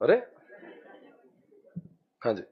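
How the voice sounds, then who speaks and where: A man's voice: extremely slow, highs cut off. A man lecturing a class of commerce students, chanting memory tricks and coaxing them to repeat after him. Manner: lively, chants mnemonics and coaxes students to repeat; addresses students as beta and friends, teasing.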